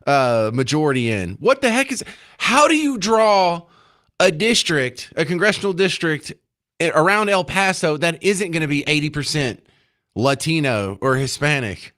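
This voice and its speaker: A man hosting a call-in talk radio show, wry and animated as he takes callers. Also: fairly high pitch, moderate pace. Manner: wry, animated, takes calls and argues points.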